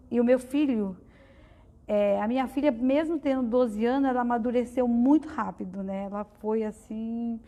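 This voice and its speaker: Her voice fairly high and mellow, a middle-aged woman offers a heartfelt personal testimony as a guest speaker at a spiritist study center. She addresses the audience conversationally, with frequent fillers.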